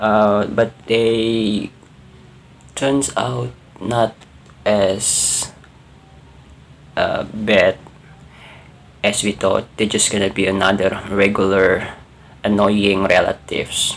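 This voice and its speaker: A man with an American accent, fairly low in pitch, very slow and full of long, frequent pauses, his loudness very even and his pitch variation ordinary, over noticeable background noise. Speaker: book reviewer. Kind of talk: casual review. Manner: hesitant, many fillers.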